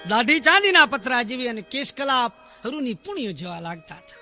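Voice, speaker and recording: A man tells a folk tale in dayro style, swinging from hushed asides to ringing declaimed lists and chanted couplets. His voice sits very high and piercingly bright, with faint music underneath. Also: animated, a little fast. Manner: dramatic, declaiming, chanting verses. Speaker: folk storyteller.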